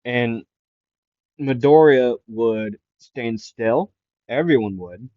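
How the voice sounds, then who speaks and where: Casual male narrator who rambles through an improvised fan story; unhurried, dry muffled recording. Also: medium pitch, dry recording. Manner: rambling, self-interrupting, filler-heavy.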